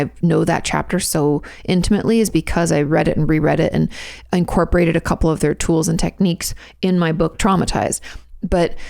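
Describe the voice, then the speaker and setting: Woman therapist-host, low gravelly tone, gentle and reassuring, dry recording. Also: no room sound. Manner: gentle, reassuring, repeats phrases while thinking. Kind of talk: advice podcast answering listener questions.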